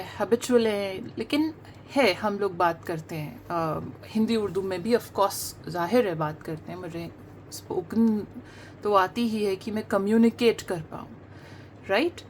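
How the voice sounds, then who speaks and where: Woman, middle-aged, mother tongue Hindi-Urdu, English accent trainer, earnest explanatory monologue, frequent hesitations, medium pitch, faint room noise. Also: measured pace. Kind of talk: talking-head monologue on language teaching.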